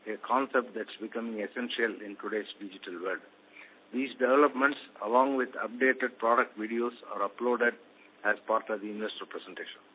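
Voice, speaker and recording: A man with an Indian accent reads prepared business remarks in the role of a company chairman. His voice sits at a medium pitch. It comes through a thin telephone line with slight background noise. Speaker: company chairman presenting on an earnings call. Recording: narrow, noisy phone conference line.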